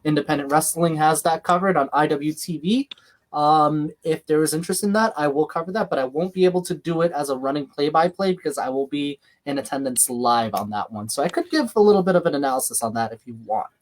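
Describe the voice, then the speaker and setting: A young man from New York hosting a casual watch-along podcast, calling the action excitedly and laughing often. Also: a little high, fast. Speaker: podcast host.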